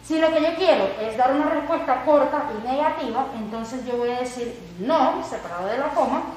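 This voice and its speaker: Woman teacher walking a class through grammar, kinda high voice, really echoey room. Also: animated, darkish tone, distant mic, a little hiss or hum. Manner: slow, careful modelling of English example sentences. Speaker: English teacher. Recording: echoey room, voice somewhat off mic.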